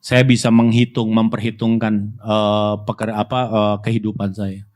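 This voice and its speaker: A man pastor preaching a sermon in a lively, conversational way, calling out to his congregation. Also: on the low side, moderate pace. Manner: lively, conversational preaching with audience call-outs.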